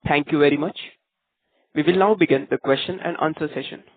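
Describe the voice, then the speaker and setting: A man's voice: fairly high pitch, fairly quick, no echo. A man working as a conference call operator, giving scripted instructions in a formal, procedural way. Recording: narrow dry phone line.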